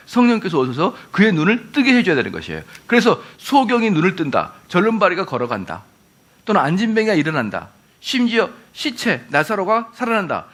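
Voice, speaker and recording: A middle-aged man preaches in a church with a high, bright voice. His pitch swings widely as he acts out quoted exchanges between speakers. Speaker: pastor. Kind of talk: sermon.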